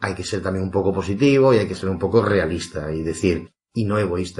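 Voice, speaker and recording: Somewhat breathy and fairly low-pitched, a man speaks at a fairly quick pace. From Andalusia (Chiclana, Cádiz). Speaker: dialysis patient and salesman. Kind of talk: interview. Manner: halting.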